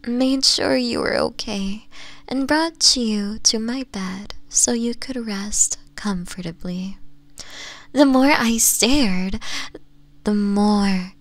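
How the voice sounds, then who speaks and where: A woman voicing a doting, possessive nine-tailed fox woman in an ASMR roleplay, cooing and teasing in a breathy voice that often drops to whispers. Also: medium pitch, no room sound, full character voice. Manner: cooing, teasing, slow sultry endearments with giggles.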